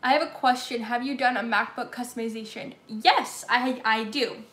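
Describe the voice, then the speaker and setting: A woman's voice: on the high side, steady tone, normal speed, fairly bright tone. A young woman with a Southern accent chatting casually on a live stream from her home kitchen, answering viewer comments while she bakes. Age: young adult. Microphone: laptop or phone camera at table distance. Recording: echoey kitchen room sound.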